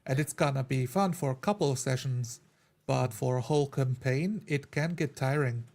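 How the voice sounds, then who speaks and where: A man's voice: mid-range voice, normal speed, creaky, a little mellow. A man talking casually as a player in a tabletop roleplay group. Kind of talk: casual chat.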